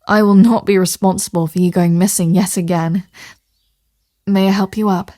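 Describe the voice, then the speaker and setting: Woman acting as confident mafia boss girlfriend, intimate, teasing, soft-spoken, mid-pitched female voice, dry recording, ASMR roleplay. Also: fairly even intonation, normal speed, dry recording, natural voice. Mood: playful, teasing.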